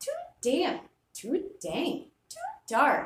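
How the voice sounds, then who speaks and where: With a slight echo, a squeaky, high-pitched put-on character voice comes through. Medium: read story.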